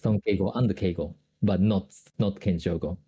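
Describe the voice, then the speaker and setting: A Japanese tutor explains grammar on a call in Japanese-accented English, hesitating with many fillers and restarts. His voice is deep, warm, and husky at normal speed, with a lo-fi sound.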